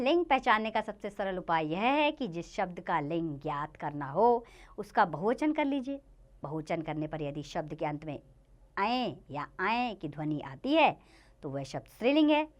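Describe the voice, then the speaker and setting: A woman's voice: fairly low pitch, sing-song, moderate pace. A woman teaching a grammar lesson to children, reading word lists in a rising and falling lilt and speaking to them directly. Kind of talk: Hindi grammar lesson narration.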